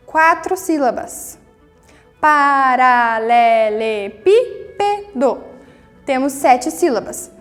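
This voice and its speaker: Woman teacher, high voice, patient, encouraging, long reverb, faint music behind. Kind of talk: recorded review lesson.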